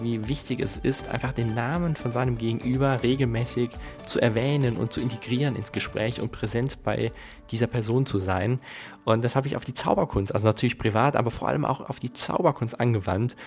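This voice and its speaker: A man's voice: mid-range voice, darkish tone. An enthusiastic man hosting a podcast interview, speaking in an upbeat, eager way. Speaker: podcast host.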